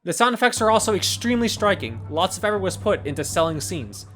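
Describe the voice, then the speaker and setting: A man's voice: sits high, expressive, quick pace, a bit bright, soft background music. A man reading a scripted review narration as the host. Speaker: video game reviewer and host.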